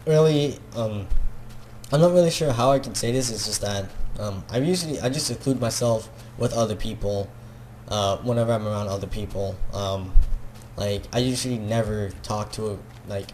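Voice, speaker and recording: A man's voice: on the low side, normal speed, darkish tone, a little hiss or hum. A young man with a Filipino accent, rambling self-consciously in a casual video, full of fillers and restarts. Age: teenager. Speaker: gaming video creator.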